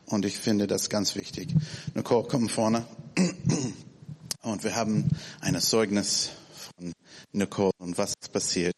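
Non-native man, forties, unhurried and hesitant church talk in a big echoing hall. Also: fairly low pitch, slightly rough. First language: not German. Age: 40s. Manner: halting, searching for words, many restarts. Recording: reverberant hall.

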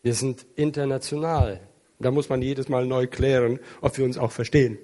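A man preaching a sermon to a congregation, earnest and emotional, stretching key words slowly for emphasis. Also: medium pitch, fairly even intonation, warm tone. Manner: emotional, earnest, with some dramatic slow emphasis and rising intensity. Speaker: pastor. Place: church hall with an international congregation.

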